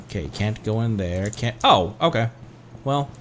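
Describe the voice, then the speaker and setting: Male streamer: bright forceful tone, lively swoops, casual halting game reactions, faint music behind. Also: lowish voice, slight background noise. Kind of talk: casual live game commentary.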